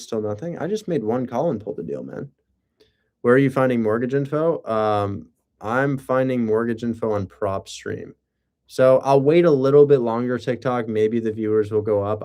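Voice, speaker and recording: A man's voice: lowish voice, darkish tone. A man chatting casually on a livestream, rambling with sarcastic asides and rhetorical questions. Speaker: live streamer and real estate wholesaler.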